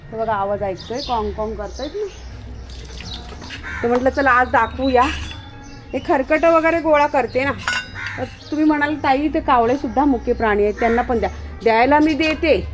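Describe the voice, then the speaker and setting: A woman vlogging casually outdoors at home while doing chores, talking straight to her viewers and calling loudly to her dog. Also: high voice. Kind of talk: casual home vlog narration. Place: outdoors at home, washing dishes in the morning.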